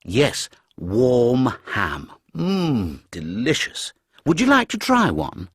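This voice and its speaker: A man from the north of England, speaking slowly and expressively in a scripted textbook monologue. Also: medium pitch, wildly swooping pitch, a bit bright, husky, no room sound, clean studio sound. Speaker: speaker in a textbook listening exercise. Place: dry studio booth.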